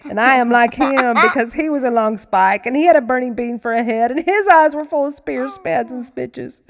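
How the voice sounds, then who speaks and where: Fields: Figure: woman voicing a sneering spike of a boy. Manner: loud. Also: high voice, dull audio, a little hiss or hum, pitched above the performer's own voice. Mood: boastful. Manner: loud, quick, nonsensical answers. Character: sneering strange boy with burning bean head.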